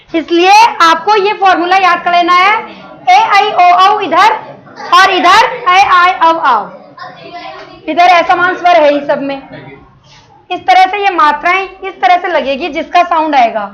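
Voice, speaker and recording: Woman teacher, Rajasthani Hindi accent, very high voice, bright tone, classroom lesson, quizzes the class and answers herself. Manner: explains step by step, asks the class questions and answers them herself; mixes English words into Hindi.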